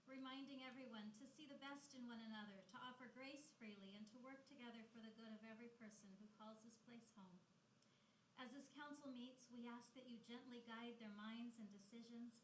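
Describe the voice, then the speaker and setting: Echoey, higher-pitched American woman leading prayer. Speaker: pastor giving invocation. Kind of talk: spoken prayer at a civic meeting. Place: council chamber. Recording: echoey meeting room, faint noise.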